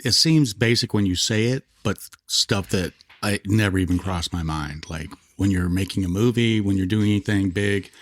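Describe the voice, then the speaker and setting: Co-host, man, low pitch, laid-back, close dry recording. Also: moderate pace, hardly any pauses, no room sound. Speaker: podcast co-host. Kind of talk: casual podcast chat.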